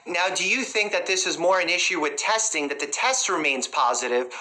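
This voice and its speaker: A man's voice: sits high, a little fast, pushed and bright. A man with a New York accent, a family doctor interviewing a guest with prepared, methodical questions.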